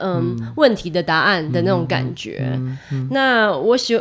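A woman's voice with very wide pitch swings. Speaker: musician and singer. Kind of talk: interview conversation.

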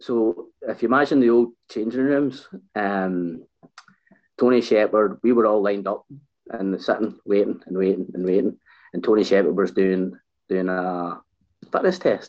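Speaking with a Scottish accent, a man keeps a moderate pace with long, frequent pauses. His fairly low pitch shows ordinary pitch variation. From Scotland. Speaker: former footballer. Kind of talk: casual interview.

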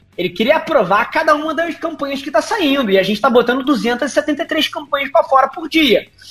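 With a Carioca accent and an extremely high pitch, a man talks with hardly any pauses over noticeable background noise. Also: lively intonation, fairly quick pace. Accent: Carioca (Rio de Janeiro) Portuguese. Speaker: marketing agency founder. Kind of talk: casual interview. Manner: hesitant repetitions.

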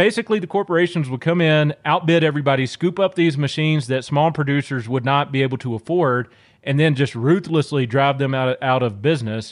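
Against a quiet background, a man with a Southern US accent talks at a fairly quick pace with hardly any pauses, a fairly high pitch and ordinary pitch variation. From Northeast Louisiana. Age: 20s. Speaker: podcast host. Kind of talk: casual interview conversation. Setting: phone call.

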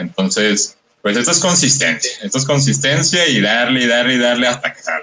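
This man talks at a fairly quick pace, his loudness swinging widely and his intonation lively. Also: medium pitch for a man. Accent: Mexican. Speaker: podcast guest. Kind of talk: casual chat.

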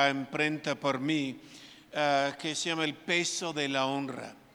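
Audible room echo surrounds a man with an English accent, a fairly high pitch and a bright, sharp tone. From US West, California. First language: English (speaking Spanish). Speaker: pastor. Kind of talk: sermon.

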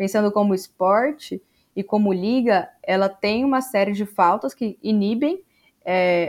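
Woman's voice with very wide pitch swings, against a quiet background. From Brazil, Santos. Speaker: psychotherapist. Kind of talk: casual chat.

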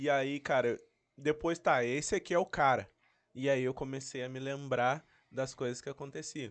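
This man talks at a moderate pace in a plain, everyday voice, his pitch fairly high and his intonation fairly even against a quiet background. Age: 30s. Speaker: comedian. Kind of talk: casual chat.

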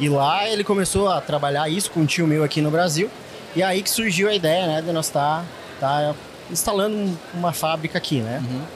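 Through noticeable background noise, a man talks at a fairly quick pace and fairly high pitch with ordinary pitch variation. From Santa Catarina, Brazil. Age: 30s. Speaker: marble workshop owner. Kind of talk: podcast interview. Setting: trade fair booth.

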